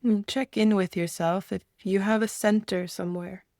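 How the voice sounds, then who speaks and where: Here a woman guides a meditation in a steady, mid-range voice. Her phrasing is gentle and slow, full of soft invitations and reflective pauses, captured close up with no room sound at all.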